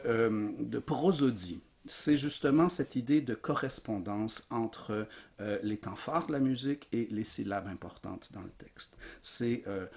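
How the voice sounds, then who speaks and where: A man's voice: medium pitch, darkish tone. A man giving a recorded music theory lecture, explaining patiently with frequent fillers. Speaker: music teacher.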